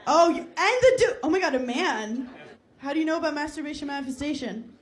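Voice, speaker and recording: A woman from New York doing stand-up crowd work, teasing audience members in brash, rapid banter on a club stage. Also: high-pitched, animated. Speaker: stand-up comedian. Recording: live club with crowd laughter.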